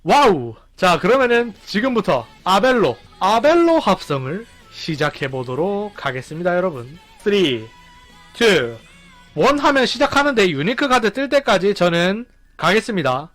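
High, lively Korean game commentator. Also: male voice, normal speed, soft background music. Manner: animated, counting down and exclaiming loudly. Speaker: gaming streamer. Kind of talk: excited gameplay commentary.

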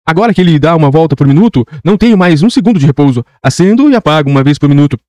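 A man voicing a tired, dutiful lamplighter who speaks in a flat, resigned way. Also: fairly high pitch, very fast, dry recording, natural voice.

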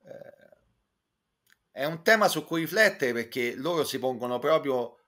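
A man with a Roman accent giving an informal review as a guest commentator, reflective and halting, with wordy, erudite phrasing. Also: medium pitch, lively intonation, pushed and bright. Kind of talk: informal spoken concert review. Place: indoor room with bookshelves. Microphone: video call, close to computer.

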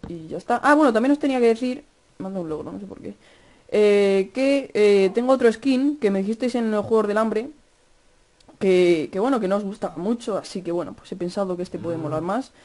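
A young man with a Spanish accent from Spain chatting fast over Minecraft gameplay, cursing and yelling at the mobs. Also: sits high. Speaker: gaming youtuber.

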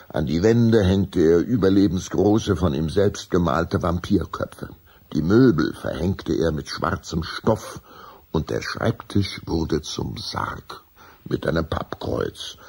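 An unhurried storyteller narrates a children's radio play in a dark, husky, gravelly male voice. He sits low in his range and gives it a full character voice.

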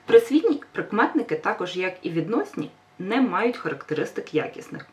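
A woman's voice: mid-range voice, very animated, normal speed, a little hiss or hum. A woman teacher giving a grammar lesson, patient and reassuring, stressing each example word. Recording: voice a bit far from mic.

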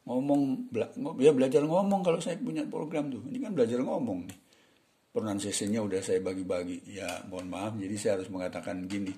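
A man's voice: fairly low pitch, fairly quick, mellow. A middle-aged man teaching an English lesson in a casual, chatty way, often apologizing politely and using fillers. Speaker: English tutor.

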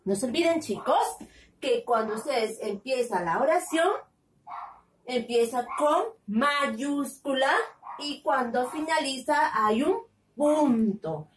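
A woman teaching kindergarten, dictating sentences slowly, syllable by syllable, in a sing-song voice. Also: high-pitched, lively intonation, slight background noise. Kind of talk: slow, sing-song class lesson for small children. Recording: echoey room, slightly distant from the mic.

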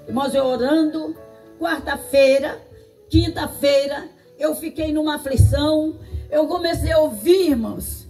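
Tearful high-voiced Brazilian woman testifying. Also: measured pace, warm tone. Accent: Brazilian Portuguese. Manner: tearful, sing-song preaching cadence. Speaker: church member giving testimony. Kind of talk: emotional church testimony. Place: church service. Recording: distant mic with faint music.

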